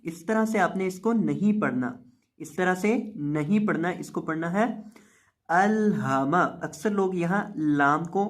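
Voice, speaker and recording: A man's voice: sits high, normal speed. A man teaching Quran reading with an Urdu-speaking South Asian accent, spelling out letters one by one and drawing out the recited syllables in a step-by-step lesson.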